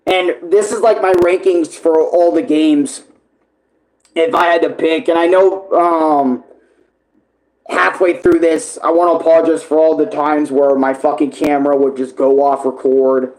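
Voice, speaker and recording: A young man chatting casually on a livestream, rambling and swearing with enthusiasm, his voice hoarse and worn. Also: fairly high pitch, fairly even intonation, unhurried, a little mellow, poor audio. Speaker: streamer ranking games. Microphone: tablet camera.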